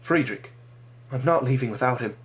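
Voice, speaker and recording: A man's voice: medium pitch, moderate pace, close to an everyday voice. A man voicing a grief-stricken young man whose cries are raw and pleading. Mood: bitter.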